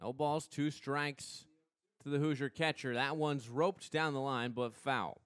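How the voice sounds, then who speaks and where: A young American man doing live radio play-by-play commentary of a softball game as the announcer. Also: mid-range voice, no room sound. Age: young adult. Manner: measured between plays, excited on big plays.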